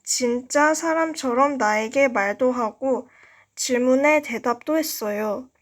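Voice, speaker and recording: A high-pitched woman reads a story aloud at an unhurried pace. She is an amateur narrator who takes care over each sentence. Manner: slow, careful reading with stumbles. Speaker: amateur audiobook reader. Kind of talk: reading a novel aloud.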